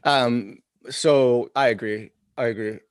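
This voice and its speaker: A man co-hosting a podcast, chatting casually and telling stories in an animated way with many restarts. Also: mid-range voice, slow, no echo, clean studio sound. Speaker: podcast co-host. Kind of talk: casual chat, storytelling.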